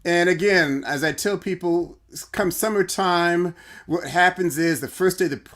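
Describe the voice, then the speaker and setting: A man's voice: high-pitched, a little slow, a bit bright. A man hosting a casual livestream debate, rambling playfully and laughing often as he questions his guest over a video call. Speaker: host.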